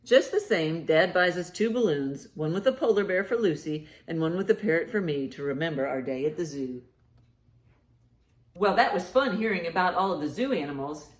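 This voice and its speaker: Reading to small kids and quizzing them with riddles, this woman is encouraging and reacts hugely to their answers. Her lowish voice has lively intonation at a normal speed, and the recording echoes in a roomy space.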